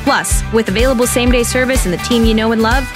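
A woman voicing a radio car dealership ad in a bright, upbeat sales delivery. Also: fairly high pitch, fast. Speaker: ad voice-over. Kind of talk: upbeat commercial read. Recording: radio ad with guitar music.

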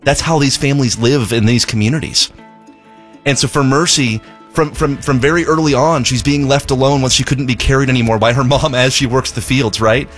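A man's voice: mid-range voice, a little fast, fairly bright tone, faint music behind. A man from Zimbabwe, a charity spokesman, telling a heartfelt story in a radio fundraising appeal, often repeating words as he goes.

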